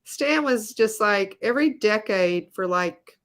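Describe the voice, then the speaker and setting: A middle-aged woman, a guest on a video call, tells stories in a rambling, casual interview chat full of fillers and restarts. Her medium-pitched voice is animated, a bit bright, and a little slow.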